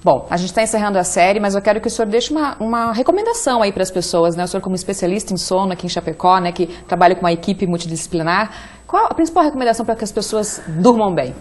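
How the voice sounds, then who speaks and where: Fast-talking female TV host. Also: medium pitch. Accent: Brazilian Portuguese. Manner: lively, quick, polite questions. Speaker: TV interview host. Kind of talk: studio interview hosting. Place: TV studio.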